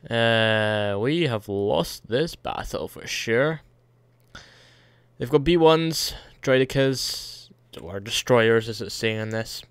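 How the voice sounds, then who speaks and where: A man's voice: medium pitch, lively intonation, slow, smooth, no room sound. A young man casually commentating a strategy game, rambling and correcting himself, his nose a little blocked. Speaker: let's play host.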